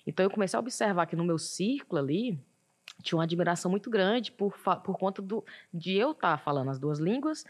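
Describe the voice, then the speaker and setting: A woman, a guest in an interview, telling her story in a reflective, animated way. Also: lowish voice, a little fast. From Northeast Brazil. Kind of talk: casual interview talk.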